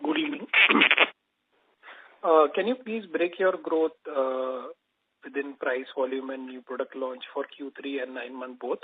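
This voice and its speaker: A man's voice: mid-range voice, a little slow. A man asking polite, formal questions as an analyst on an earnings call. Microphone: phone. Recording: narrow, dry phone line.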